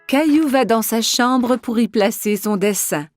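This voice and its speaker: Female children's cartoon narrator, higher register, scripted storytelling, music underneath. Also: measured pace, no room sound.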